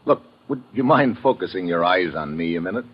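A tough American agent, sardonic and impatient. The voice is low and husky with lively, swinging intonation, in the muffled sound of a vintage radio thriller. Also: male voice, fairly quick. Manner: hard-boiled, sardonic, blunt. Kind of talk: 1950s radio drama acting and narration. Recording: muffled old radio recording.

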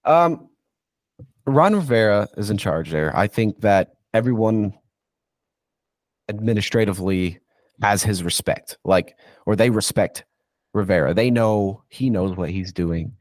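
A man's voice: fairly low pitch, a little slow, no echo, studio quality. Stuffy-nosed man ranting about football. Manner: rambling, goes on rants, says "dude". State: stuffy, congested from illness. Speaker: football insider guest. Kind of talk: casual podcast chat.

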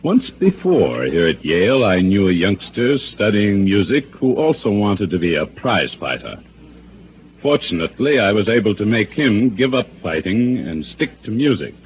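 A man's voice: lowish voice, big pitch swings, moderate pace. A man voicing a stern college professor who lectures and scolds two students, in 1940s radio acting. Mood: scolding. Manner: lecturing, reproachful. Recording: tinny old radio broadcast with hiss.

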